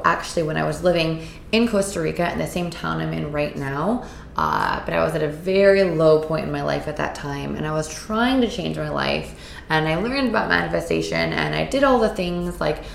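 Woman host, hoarse from a cold, gravelly low voice, earnest and upbeat, roomy echo. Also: a little hiss or hum. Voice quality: raspy. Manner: upbeat, earnest, with filler words. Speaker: podcast host. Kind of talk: casual solo podcast talk. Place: indoors in Costa Rica.

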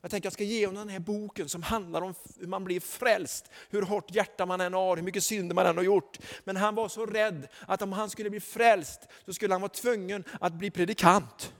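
High-voiced fervent male preacher. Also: in a large hall. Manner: storytelling, rising to loud fervent exhortation. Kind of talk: sermon with personal stories.

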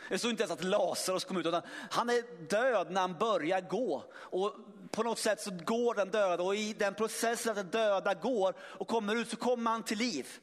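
High-voiced male preacher, echoing hall. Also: hardly any pauses. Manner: emphatic, with many restarts and sudden swells in volume. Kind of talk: sermon. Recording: long hall reverb.

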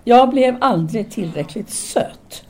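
A woman's voice: on the high side, expressive, a little mellow, natural voice. An actress playing a candid, brooding intellectual Parisian woman in an audio drama, speaking formal dialogue in an earnest, articulate way. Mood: wounded, confiding.

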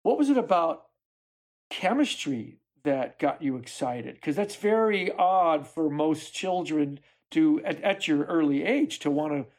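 A man's voice: a little high, animated, measured pace, darkish tone. A man hosting a podcast, asking a guest eager and playful questions. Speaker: podcast host. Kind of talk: casual interview.

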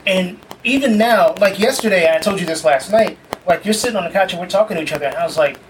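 Reflective podcast host, slightly higher voice. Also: male voice, quick pace. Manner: candid, reflective, casual swearing. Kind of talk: casual conversation. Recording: distant mic with clear background noise.

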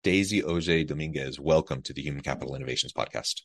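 A man's voice: extremely low pitch, quick pace. A man hosting a podcast interview, reading the guest's bio formally and with enthusiasm. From United States. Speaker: podcast host. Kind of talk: podcast interview with scripted intro.

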